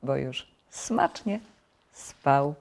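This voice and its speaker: A middle-aged woman narrating a children's storybook in a gentle, expressive way. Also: a bass voice, extremely slow, creaky. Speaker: audiobook narrator.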